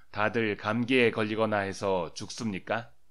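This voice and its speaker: A man's unremarkable speaking voice, fairly low and fairly even in intonation, against a quiet background. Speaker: science commentator. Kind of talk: scripted narration. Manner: formal.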